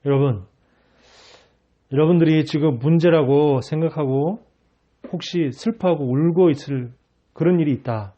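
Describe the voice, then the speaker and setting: A man's voice: on the high side, normal speed, pauses often, dark tone, lo-fi sound. A male pastor preaching a sermon, emphatic, asking the congregation rhetorical questions.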